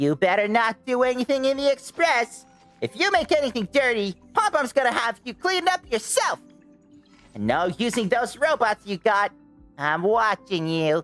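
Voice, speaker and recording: A put-on character voice at fairly high pitch swings very widely in pitch at a moderate pace, with faint music in the background. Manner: cute, playful, scolding.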